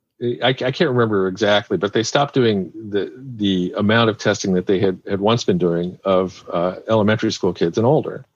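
At a moderate speed, an unremarkable speaking voice with an American accent shows ordinary pitch variation. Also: man. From US Midwest. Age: 60s. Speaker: author and magazine writer. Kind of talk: interview. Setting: phone or video call.

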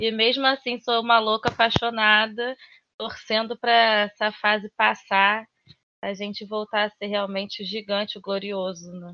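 The pace is fairly slow and the intonation monotone and flat. Loudness swings widely. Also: woman, fairly high pitch for a woman. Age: 30s. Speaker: podcast co-host, journalist. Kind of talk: casual chat.

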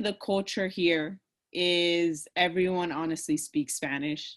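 At a very slow pace, the speaker talks with an American accent against a quiet background. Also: woman. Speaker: podcast host.

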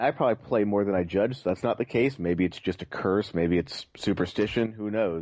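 A man with an unremarkable speaking voice talks at a fairly quick pace with hardly any pauses, fairly low pitch, ordinary pitch variation and very even loudness against a quiet background. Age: 20s. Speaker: Magic tournament judge. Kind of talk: casual interview. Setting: online voice call.

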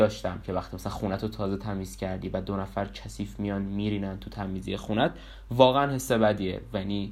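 Very fast male speech, fairly low in pitch and fairly even in intonation. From Iran. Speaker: podcast host. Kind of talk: casual monologue.

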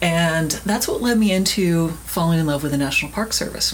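A woman talks at a fairly quick pace with an American accent and a fairly low pitch. Room echo is audible, and there is noticeable background noise. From Miami, Florida. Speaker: park ranger. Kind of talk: interview.

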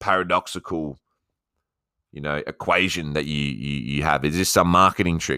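Bright and sharp in tone, a man with an Australian accent sounds animated on a very clean recording with a silent background. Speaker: podcaster. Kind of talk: casual solo podcast monologue. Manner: rambling, informal, filler words; animated, humorous, profane.

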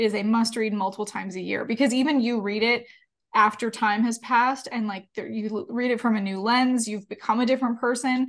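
It is an ordinary speaking voice with fairly even intonation. The background is quiet. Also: woman, fairly high pitch for a woman, fairly quick pace. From Canada. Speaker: content strategist. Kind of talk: casual interview.

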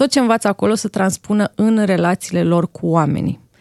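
Dry and close with no echo, a woman's voice moves at a moderate pace. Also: very clean recording, silent background. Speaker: animal welfare NGO president. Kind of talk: interview. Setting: studio.

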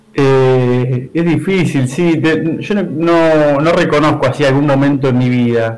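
A very slow man with a fairly high pitch, ordinary pitch variation and very even loudness, plus audible room echo and noticeable background noise. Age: 20s. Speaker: poet. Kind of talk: interview.

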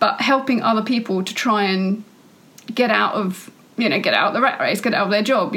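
She has a normal speaking voice, fairly high for a woman, with ordinary pitch variation. Her pace is fairly quick. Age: 40s. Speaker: property investor. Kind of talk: interview.

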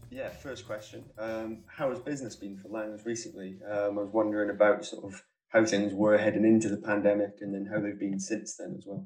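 With a Welsh accent, a man speaks at a fairly low pitch and a fairly quick pace, hardly pausing, with ordinary pitch variation and big swings in loudness. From Wales. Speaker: podcast host, trade journalist. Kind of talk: interview.

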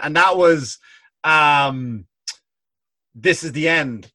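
Speaking in an Irish accent, a man has a bright, sharp tone and ordinary pitch variation. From Ireland. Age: 40s. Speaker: comedian and podcast co-host. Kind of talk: casual chat.

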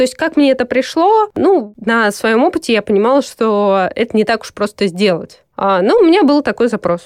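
A woman with a plain, everyday voice talks at a moderate pace with hardly any pauses, her pitch fairly high and her intonation lively. The recording is very clean with a silent background and a dry, close sound with no echo. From Moscow, Russia. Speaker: bakery business owner. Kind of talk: interview.

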